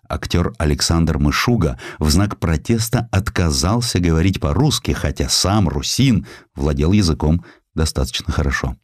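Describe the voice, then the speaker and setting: Deep male audiobook narrator, historical story, measured n dramatic w pauses, very dry studio sound. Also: a little mellow, dry recording. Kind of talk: scripted literary narration of historical essays.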